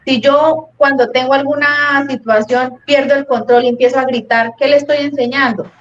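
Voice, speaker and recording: A woman's voice: high voice, steady tone, normal speed, a little hiss or hum. A woman psychologist, patiently explaining parenting ideas in a live-stream talk and acting out little scenes. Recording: dull lo-fi stream audio.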